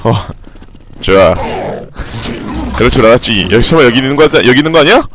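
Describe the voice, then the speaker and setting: A man streaming a zombie shooter, commenting live, muttering one moment and cursing loudly the next. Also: mid-range voice, quick pace, background noise. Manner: excitable, swings between mutters and furious cursing shouts. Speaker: game streamer.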